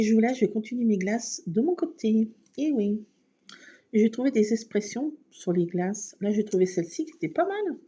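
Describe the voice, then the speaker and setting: A woman's voice: mid-range voice, mellow, slight background noise. A woman chatting casually while crafting, self-mocking and laughing often. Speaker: craft vlogger. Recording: dull lo-fi recording.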